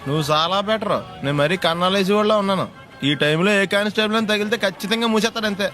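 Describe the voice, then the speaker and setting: A cheeky, rambling young comic. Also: male voice, sits high, fairly bright tone, soft background music. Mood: scheming. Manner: quick, rambling comic back-talk. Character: cheeky, fidgety young man who talks back. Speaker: comic lead. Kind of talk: Telugu film comedy acting.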